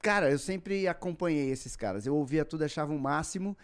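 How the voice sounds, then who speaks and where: Animated Brazilian voice actor. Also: male voice, fairly high pitch, brisk, clean tone. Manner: animated storyteller, laughs often. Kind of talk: casual podcast chat.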